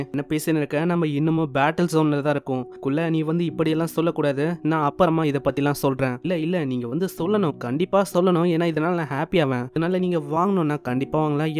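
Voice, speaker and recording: A man's fairly high voice with fairly even intonation, against noticeable background noise. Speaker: anime story explainer. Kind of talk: casual anime plot recap narration.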